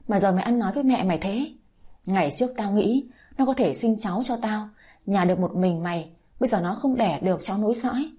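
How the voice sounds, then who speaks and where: Bà Tâm, a woman playing a shrill scolding mother-in-law. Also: expressive, fairly quick, dark tone, breathy edge. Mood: shrieking. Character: bitter older village mother-in-law, scolding.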